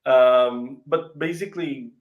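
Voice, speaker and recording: A man's voice: medium pitch, phone-quality sound. A man with a Portuguese accent, a native Portuguese speaker, chatting on a video call and stopping often to search for his words. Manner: halting, searching for words, frequent fillers and restarts. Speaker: real estate company country head. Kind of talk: casual interview chat.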